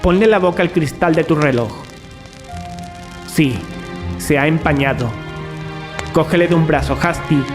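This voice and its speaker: Brisk, high-voiced young male student played by a man. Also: close to an everyday voice. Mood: urgent. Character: level-headed young male student taking urgent command. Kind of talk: audio drama acting. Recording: music behind the voice.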